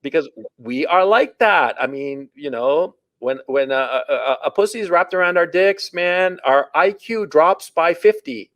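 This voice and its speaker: A man's voice: a little high, measured pace, few pauses, dry recording. Crude blunt guy ranting dating advice, voice bouncing all over, dry close mic. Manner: blunt, crude and animated storytelling. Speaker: podcast host. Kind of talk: casual dating-advice talk.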